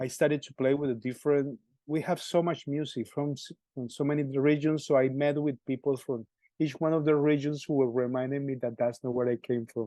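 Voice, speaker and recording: A man with a Colombian accent speaks at a fairly quick pace. His fairly high pitch holds fairly even intonation. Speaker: musician and music educator. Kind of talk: interview. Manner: halting, many repetitions.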